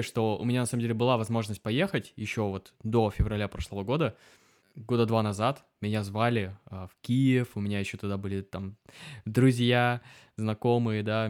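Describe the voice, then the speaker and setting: A man hosts an informal interview in a fairly low voice. He asks long, curious questions, pausing on drawn-out hesitation sounds as he shapes them. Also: a little mellow. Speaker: host. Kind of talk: conversational interview.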